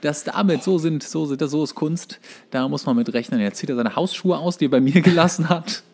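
A man's voice: a little high, a little fast, a little mellow. A man co-hosting a podcast with casual, tongue-in-cheek comic banter. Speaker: podcast co-host.

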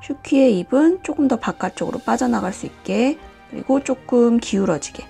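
A woman hosting a nail art and drawing tutorial, talking calmly step by step and often dropping to a whisper. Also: fairly high pitch, creaky, faint music behind. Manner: calm, slow, often drops to a whisper. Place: indoors at a desk, hands on camera.

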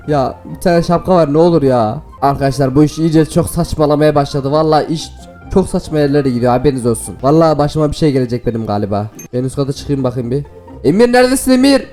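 A man hosting a gaming video, giving excited, playful commentary to viewers and laughing often. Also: a little high, fast, faint music behind.

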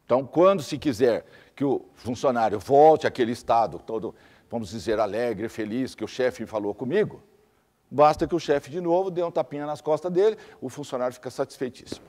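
A man lectures to a class, laying out his points in lists and repeating examples. His voice sits at an ordinary middle pitch for a man. The sound carries a long reverb, as in a hall. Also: fairly quick, warm tone. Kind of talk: teaching lecture.

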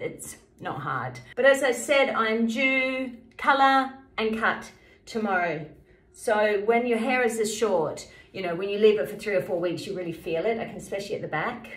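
A middle-aged woman with a New Zealand accent, chatting brightly through a hair tutorial at home, laughing often. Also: fairly high pitch. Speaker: beauty vlogger. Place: bright home bathroom, indoors. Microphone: camera a few feet away. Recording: echoey bathroom, mic far off, loud noise. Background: hair dryer noise.

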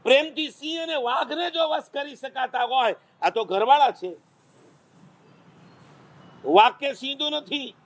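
A man preaching a sermon, telling lively stories and teasing the audience with questions. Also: very high voice, a little slow, pauses often. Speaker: Jain monk preacher.

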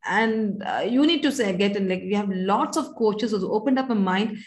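A woman's voice: medium pitch, expressive, normal speed. A middle-aged woman with an Indian accent hosting a conversational live talk show, speaking earnestly and emphatically, straight to viewers. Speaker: talk show host and communication coach. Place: indoors on a video call.

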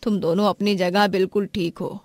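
A woman's voice: medium pitch, level tone, normal speed, no echo, close to an everyday voice. Woman playing a strict, domineering mother-in-law. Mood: regretful. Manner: scolding, commanding. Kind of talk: animated family story acting.

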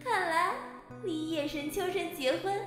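A woman playing an excitable young online fan in an audio drama, gushing and dramatic. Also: very high-pitched, unhurried. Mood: satisfied. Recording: roomy, with music behind.

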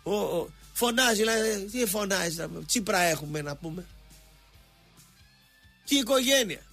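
A middle-aged man rants sarcastically on the radio, mocking and rambling. His voice is husky and sits a little high for a man, with faint music under it. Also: a bit bright. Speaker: radio sports show host. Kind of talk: rambling satirical monologue.

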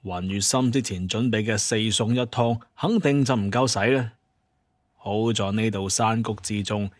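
A man narrating a scripted story in colloquial Cantonese, with an expressive storyteller's delivery. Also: on the low side, dry recording, clean studio sound. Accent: Hong Kong or Guangdong Cantonese.

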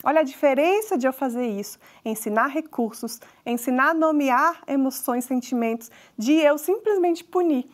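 A mother with a Brazilian Portuguese accent gives a conversational talk to parents, speaking directly to the audience. Her voice is high-pitched, at a normal speed with few pauses.

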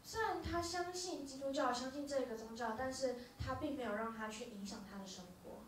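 A woman interpreting live from a stage, speaking quickly with short filler hesitations. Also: high voice, a little hiss or hum. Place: small dark music venue. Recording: roomy venue, from far off.

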